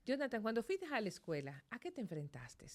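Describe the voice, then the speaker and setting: A woman's voice: on the high side, wildly swooping pitch, brisk, darkish tone. A middle-aged woman hosting a Christian radio interview from a studio, effusive and heavy on blessings and exclamations.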